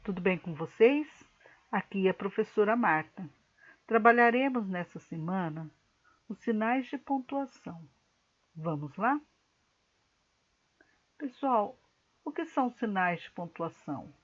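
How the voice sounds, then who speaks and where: Woman, teacher, recorded lesson, careful explaining, medium pitch, muffled lo-fi recording. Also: lively intonation. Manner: slow, careful explaining with examples. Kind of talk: recorded remote lesson for a class.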